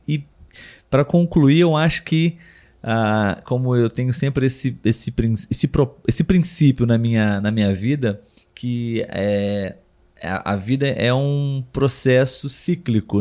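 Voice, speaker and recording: A man with a Brazilian Portuguese accent hosting a live podcast conversation, talking slowly and thoughtfully with many pauses and fillers. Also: medium pitch, darkish tone. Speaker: podcast host.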